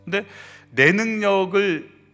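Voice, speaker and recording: A man's voice: high-pitched, slow pace, gravelly, pushed and bright, faint music behind. A middle-aged male pastor preaching, asking the congregation direct questions and leading them through scripture readings aloud. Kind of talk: sermon. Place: church sanctuary. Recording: church hall reverb.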